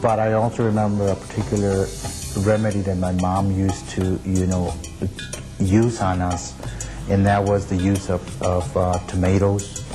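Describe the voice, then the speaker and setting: A man from Texas recalls family experiences in a low, fairly monotone voice. He speaks haltingly and hesitantly, with music clearly playing behind him. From Texas, United States. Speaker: interviewee sharing family experience. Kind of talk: personal recollection.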